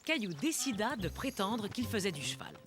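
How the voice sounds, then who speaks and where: A woman voicing the gentle storyteller of a children's cartoon, reading scripted narration expressively. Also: mid-range voice, very animated, moderate pace, natural voice. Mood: warmly narrating. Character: gentle storybook narrator of a little boy's day. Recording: loud music behind the voice.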